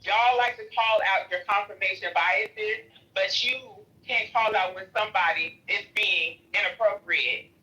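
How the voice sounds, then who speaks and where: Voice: medium pitch, measured pace, bright, forceful tone, rough recording. A speaker with an African American accent arguing emphatically and confrontationally in a live audio chat, swearing freely. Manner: emphatic, confrontational, profanity-laden. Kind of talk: heated argument on a live audio chat app.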